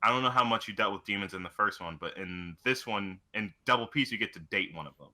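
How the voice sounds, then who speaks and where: A man with a very bright, forceful voice on the low side, co-hosting a video game chat. He explains things informally, like retelling a story to a friend. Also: fast. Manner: informal, loose storytelling with mild swearing. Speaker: podcast co-host. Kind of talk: casual chat about video games.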